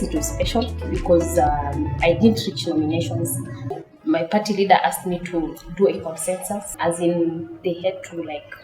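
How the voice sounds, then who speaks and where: A woman with a Kenyan accent giving a personal account in a documentary interview. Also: fairly low pitch. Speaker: election candidate. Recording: echoey room, music underneath. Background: background music.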